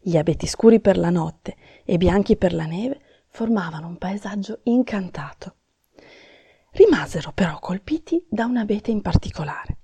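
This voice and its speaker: A woman narrating a children's fairy tale in a calm, gentle storybook manner. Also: medium pitch, moderate pace, vocal fry, husky, dry recording.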